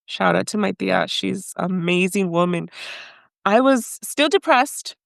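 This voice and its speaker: A woman's voice: mid-range voice, expressive, unhurried, creaky, dry recording, studio quality. A woman telling her personal story as a podcast guest, speaking hesitantly and with feeling, slipping in phrases. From raised in the United States by Mexican parents. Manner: hesitant, emotional, mixes in Spanish phrases.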